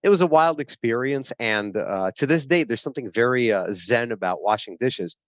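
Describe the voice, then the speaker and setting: A man's voice: medium pitch, lively intonation, moderate pace, no room sound, highs cut off. A man in his forties with a Brooklyn accent, telling his life story as an interview guest, with many fillers and laughs. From grew up in Brooklyn, New York. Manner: frequent fillers, laughs while telling stories.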